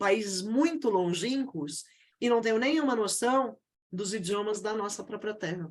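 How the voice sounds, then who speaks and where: A woman is speaking. Her intonation is lively. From Brazil, Rio de Janeiro. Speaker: art critic, lecturer. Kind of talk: online open lecture.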